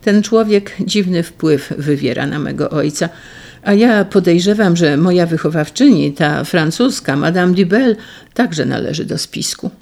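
A woman's voice: on the low side, animated, a little slow, creaky, darkish tone, heavily acted. A reader voicing an urgent young noblewoman. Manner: urgent, pleading. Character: young noble woman, devoted and tearful. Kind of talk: audiobook reading.

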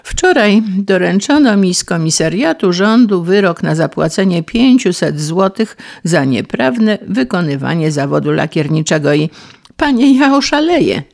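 A man plays a miserable, luckless middle-aged lacquerer who groans out every complaint in a raised, pleading voice. His voice climbs high with anguish and has a gravelly edge. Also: very animated, moderate pace, heavily acted. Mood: wailing despair.

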